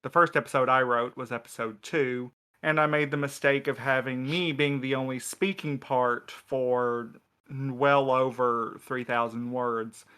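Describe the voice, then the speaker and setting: A man's voice: mid-range voice, fairly even intonation, a little slow, pushed and bright, clean tone. A man chatting casually on a podcast panel in a dry, wry way. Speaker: podcast cast member, writer and editor.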